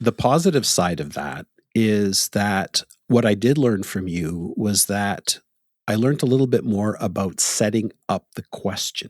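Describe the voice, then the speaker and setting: A man with a Canadian accent and a plain, everyday voice, fairly low in pitch, at a fairly slow pace with lively intonation, in a very clean recording with a silent background. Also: dry, close sound with no echo. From Canada. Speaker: podcast host and producer. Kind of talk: interview conversation.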